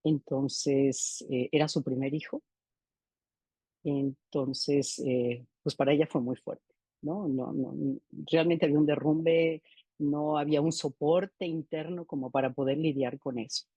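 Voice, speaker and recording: Her voice is deep, mellow and husky, her tone steady and her pace a little slow, recorded without echo. This middle-aged woman presents a clinical case to a seminar, thoughtfully, frequently ending lines with a questioning "¿no?".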